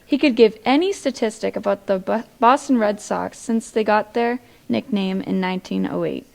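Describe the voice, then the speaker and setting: A woman's voice: medium pitch, normal speed, vocal fry. A young woman reading a story aloud to children in a library. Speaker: volunteer storybook reader. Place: public library, indoors.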